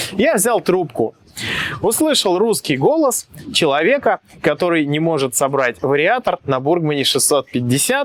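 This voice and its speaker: A man speaks at a fairly slow pace with a high pitch that swings very widely, his loudness very even. The sound is dry and close with no echo, though noticeable background noise is present. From Russia. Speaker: motorcycle mechanic and video blogger. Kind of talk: personal storytelling monologue. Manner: casual, with hesitations.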